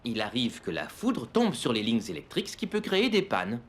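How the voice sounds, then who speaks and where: A man voicing a cheerful, reassuring dad in a French children's cartoon, gently and patiently explaining things. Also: medium pitch, wildly swooping pitch, a little fast. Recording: music behind the voice.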